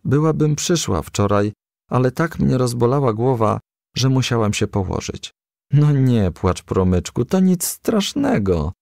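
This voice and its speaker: A man reading a gentle, ailing lady firefly. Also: medium pitch, sing-song, measured pace, vocal fry, no room sound, studio quality, pitched above the performer's own voice. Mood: consoling. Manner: gentle, consoling. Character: kindly ailing female firefly, gently pious. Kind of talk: children's storybook character reading.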